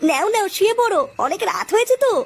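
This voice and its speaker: A woman's voice: very high-pitched, big pitch swings, fast talker, faint music behind. A woman playing a soothing wife and mother in a comedy cartoon, coaxing and mildly chiding. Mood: coy, coaxing.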